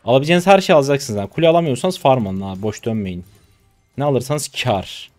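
A man in his twenties from Turkey giving casual live commentary on his own gameplay, chatty and trash-talking, with sudden loud excited shouts, on a close desk mic. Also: mid-range voice, quick pace, soft background music. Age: 20s. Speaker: gaming streamer.

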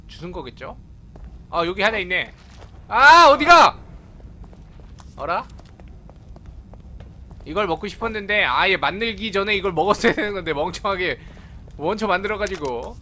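A man's voice: sits high, normal speed. A man playing a horror game and commenting, greeting his viewers and yelping at sudden attacks. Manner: excitable, yelps and shouts at the game; chats with viewers. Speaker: game streamer. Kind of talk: Let's Play commentary.

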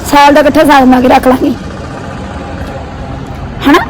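A young woman chatting casually for a vlog, teasing and complaining through a hoarse, strained sore throat. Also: high voice, little pitch movement, moderate pace, some chatter behind, a little hiss or hum. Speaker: family vlogger. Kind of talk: casual vlog banter with partner.

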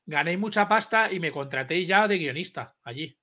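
An excitable man with a Spain Spanish accent hosts a casual stream. His voice sits high and sounds bright, almost sharp. He rambles through slangy stories. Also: fairly quick. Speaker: host. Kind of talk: casual live-stream chat.

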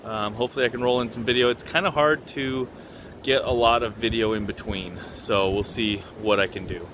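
A man's voice: mid-range voice, fairly quick, noisy background. Thirtyish guy vlogging on the beach, casual and chatty, camera right in his face. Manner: relaxed, chatty, with fillers. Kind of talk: casual vlog update. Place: outdoors on a sandy beach. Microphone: camera held close, selfie framing.

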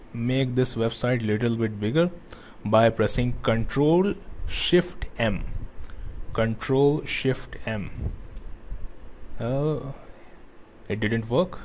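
A young man who is not a native English speaker, talking through a computer tutorial with grammar slips and frequent pauses. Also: medium pitch, darkish tone, slight background noise. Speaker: tech tutorial host. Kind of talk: screen-recorded tutorial.

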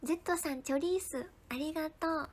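A young woman chats casually on a livestream, thanking viewers by name and slipping into soft whispered asides. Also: high-pitched, a little fast. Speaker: idol livestreamer. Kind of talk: casual livestream chat reading viewer comments.

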